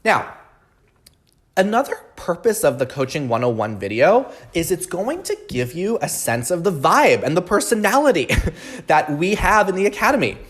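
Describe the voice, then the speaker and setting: A man's voice: sits high, very animated, moderate pace, fairly bright tone. Earnest man hosting a solo podcast. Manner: earnest, emphatic, checks in with "okay?". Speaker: podcast host and life coaching trainer. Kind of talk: solo podcast talk, promotional explainer.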